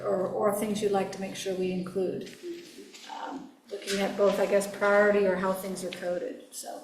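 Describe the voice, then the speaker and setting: A woman's voice: mid-range voice, background noise. Woman chairing a meeting, distant, echoey. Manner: informal, hesitant. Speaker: committee chair. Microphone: video call.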